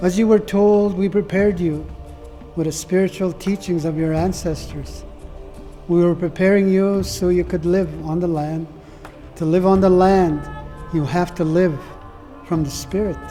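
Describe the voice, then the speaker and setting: A high-pitched man at a moderate pace, with fairly even intonation and long, frequent pauses, over music in the background. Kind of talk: spiritual message reading.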